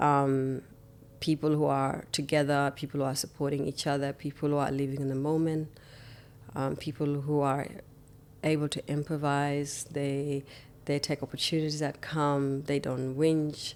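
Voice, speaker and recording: A woman's very deep, low pitch in a South Sudanese accent, with monotone, flat intonation. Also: moderate pace. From South Sudan, refugee camps until age eleven. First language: Nuer. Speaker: mental health centre founder. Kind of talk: podcast interview.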